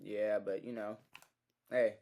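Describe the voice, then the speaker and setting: A man co-hosting a sports podcast, often stumbling and repeating himself before getting animated. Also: lowish voice, slow pace. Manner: hesitant, restarts and repeats, gets excited. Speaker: podcast co-host. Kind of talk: casual sports chat.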